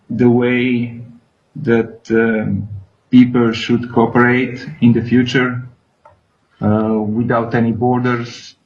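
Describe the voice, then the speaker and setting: A man from Slovenia introduces himself over a call in a flat, even tone. He speaks slowly, halting and repeating words. The line sounds dull and lo-fi. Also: medium pitch. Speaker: workshop participant.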